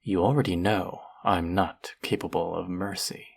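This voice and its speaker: A performer playing a gloating, sadistic sorcerer in a roleplay audio drama, cooing over a captive pet in mock-sweet baby talk with a breathy, gravelly voice. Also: sits low, steady tone, normal speed, exaggerated voice. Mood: possessive, cooing.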